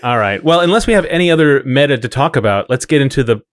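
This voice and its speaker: A man's voice: mid-range voice, animated, quick pace, noisy background. A man co-hosting a podcast in casual chat, with a wry, rambling way of explaining things. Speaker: podcast co-host.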